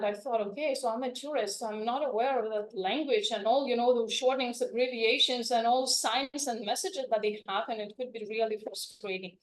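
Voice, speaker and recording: A woman from Lithuania, a native Lithuanian speaker and language educator, giving a chatty, informal conference talk full of "you know" fillers. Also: fairly high pitch. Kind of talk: conference presentation. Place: conference room. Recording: echoey conference room.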